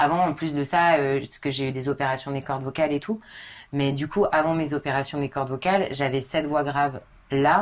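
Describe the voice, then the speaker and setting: A woman's very deep, low voice at a moderate pace, fairly even in intonation, on a very clean recording with a silent background. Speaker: musician. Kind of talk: casual chat.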